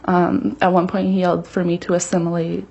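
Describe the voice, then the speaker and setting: Young woman, 20s, husky, mellow, flat, casual, news interview. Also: on the low side, fairly quick, muffled recording. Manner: casual, recounting, with fillers.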